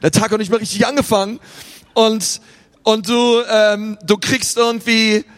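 Man preaching, casual and chatty, fairly high voice, echoing hall. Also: steady tone, unhurried. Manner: casual, conversational, acts out inner voices. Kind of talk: sermon. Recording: reverberant hall.

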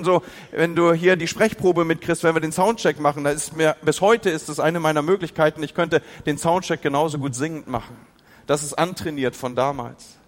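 A man preaching as a pastor, moving between loud outcries and quiet, intimate passages. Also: high voice, big-room sound. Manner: emotional, swings from loud outcries to hushed intimacy. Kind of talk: sermon.

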